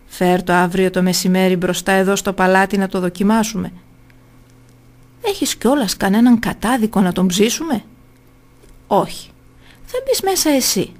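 A woman's voice: medium pitch, darkish tone, close to an everyday voice. A woman doing a cruel, curt tyrant king. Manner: curt, commanding, mocking. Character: cruel, cunning male tyrant ruler.

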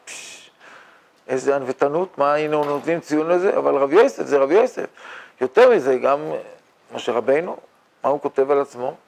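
Older male rabbi, gravelly tone, animated Torah lecture, lots of rhetorical questions. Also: on the high side. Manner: animated, rhetorical questions, mock-boastful asides. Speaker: rabbi teaching a yeshiva class. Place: yeshiva study hall, indoors.

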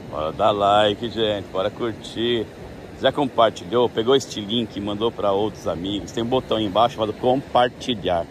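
A man's voice: on the low side, moderate pace. A Brazilian man, vlogging casually as a tour guide and coaxing viewers to like and share, recorded outdoors on a beach. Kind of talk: casual vlog talking to viewers. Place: outdoors on a windy beach at the water's edge. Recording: outdoor wind and surf noise. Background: waves and wind.

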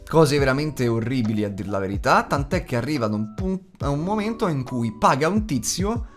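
A man, giving a casual, unscripted film review in a blunt, colloquial way. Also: mid-range voice. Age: 20s. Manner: blunt, colloquial, freely swearing. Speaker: film reviewer, channel host. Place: small foam-treated home studio indoors. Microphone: large studio condenser microphone.

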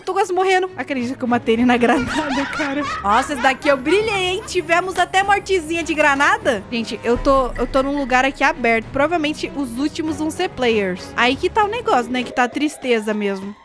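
Excitable high-voiced Brazilian woman gamer. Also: fairly quick, hardly any pauses. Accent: Brazilian Portuguese. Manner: excitable, chatty, frequent squeals and exclamations. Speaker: gaming YouTuber. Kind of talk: casual gameplay commentary. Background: game music and sound effects.

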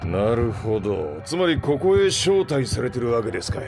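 An actor playing a gruff middle-aged ship captain and former soldier, gravelly and rough-spoken, in an audio drama. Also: male voice, mid-range voice, very animated, moderate pace. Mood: probing. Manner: rough, salty speech. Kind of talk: Japanese audio drama acting. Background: background music.

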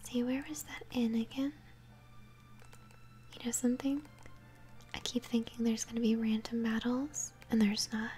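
A young woman giving gentle, chatty game commentary in a soft, breathy ASMR whisper. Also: fairly high pitch, flat delivery. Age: young adult. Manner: gentle, chatty, unhurried narration of play. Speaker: game streamer, host. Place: small home room, indoors. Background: game music.

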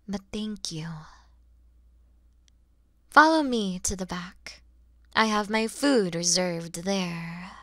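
Centuries-old dragon mother played by a woman for ASMR roleplay: proud but kind, unhurried, very expressive pitch, breathy touches. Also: dry recording, clean studio sound. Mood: tender. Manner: breathy, often dropping into whispers, theatrical pauses.

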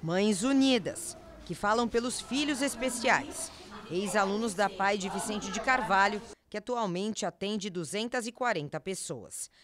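A woman reporter reading a scripted TV news report in a measured, solemn tone. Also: medium pitch, a crowd in the background.

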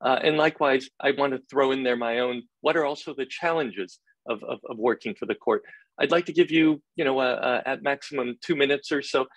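A middle-aged man moderates a webinar panel from an office over a video call. He speaks politely and in a measured way, with some fillers. His voice is mid-pitched and the sound is dry. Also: dry recording, rough recording. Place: office room, indoors.

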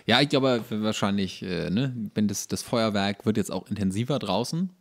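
A man's voice: fairly low pitch, animated, normal speed, creaky. A man co-hosting a podcast, talking in a dry, matter-of-fact way with some hesitation. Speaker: podcast co-host. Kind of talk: casual chat. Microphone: studio microphone.

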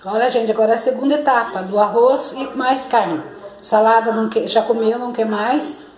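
A woman's voice: on the high side, normal speed, darkish tone. A woman in her fifties with a Brazilian accent, a grandmother chatting casually to her viewers in a home vlog, often calling out to them and using fond diminutives. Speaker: vlogger and grandmother. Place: home kitchen and living room, indoors. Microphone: phone camera held at arm's length. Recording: echoey home room.

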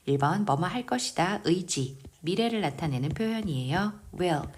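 A woman who speaks Korean natively, teaching English vocabulary in a slow, careful lesson and patiently drilling pronunciation word by word. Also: fairly low pitch, lively intonation. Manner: patient, precise pronunciation drills with repeated words.

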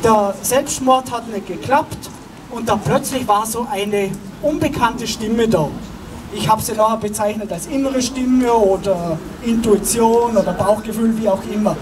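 A man's voice: sits high, unhurried. Middle-aged male speaker, Vorarlberg dialect, chatty, quizzes the crowd; distant handheld-mic sound in a noisy square. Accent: Vorarlberg Austrian German dialect. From Vorarlberg, Austria. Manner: chatty, asks the crowd questions. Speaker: guest speaker, author. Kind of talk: public talk at an outdoor rally. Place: outdoor city square. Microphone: handheld mic, filmed from afar. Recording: distant with outdoor street noise.

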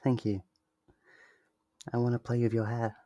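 In a dry recording with the highs cut off, a man's dark-toned, medium-pitched voice barely shifts in pitch and sounds close to everyday speech. He voices a possessive yet sweet yandere lover in intimate ASMR, doting and affectionate, reassuring the listener tenderly at a slow, deliberate pace.

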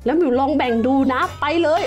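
A young woman giving casual, excitable gameplay commentary as a game host, full of exclamations. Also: sits high, fast, soft background music.

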